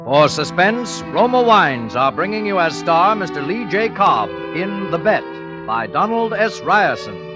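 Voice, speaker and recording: A man's voice: sits high, very animated, a little slow. Grand old-time radio show announcer man. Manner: grand, declamatory. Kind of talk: formal 1950s radio show introduction. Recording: old radio broadcast over music.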